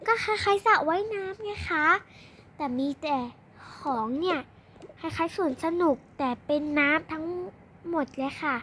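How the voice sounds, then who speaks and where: Very high-pitched girl acting out roleplay. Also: unhurried, fairly bright tone, a little hiss or hum. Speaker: storyteller voicing every character in a toy roleplay video. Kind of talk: improvised dollhouse roleplay drama.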